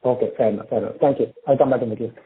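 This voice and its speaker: A man's voice: medium pitch, steady tone, very fast, husky. A man speaking as a financial analyst, asking brief follow-up questions on an earnings call. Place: telephone conference call. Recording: narrowband telephone line.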